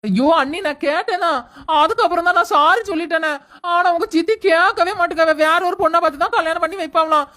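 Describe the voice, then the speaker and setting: A woman's voice: very high voice, fast talker, pushed and bright. A woman voicing a young bride who pleads and whines with her elder sister. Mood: whining. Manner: pleading, whining. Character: young bride Chinna Ponnu, pleading and stubborn.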